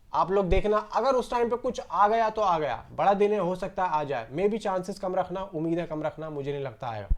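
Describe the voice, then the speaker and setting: A man giving casual film news commentary to his viewers, conversational and repetitive, addressing them directly. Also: high-pitched. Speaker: YouTube film news host.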